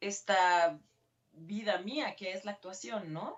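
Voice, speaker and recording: Very slow, medium-pitched speech from a woman. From Mexico. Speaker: voice actress. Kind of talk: interview.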